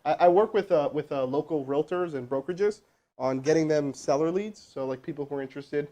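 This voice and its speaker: This is a pumped-up man, a sales trainer, running hyped live coaching and cold calls from an indoor room full of crew. He talks fast and loose in a touch-high voice, energetic and casual, with chatty asides and hype for viewers between calls.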